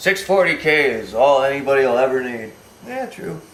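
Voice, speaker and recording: A man mumbles at a moderate pace in a fairly high pitch. His intonation is lively. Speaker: computer repair hobbyist. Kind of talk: casual talk to camera. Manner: mumbling.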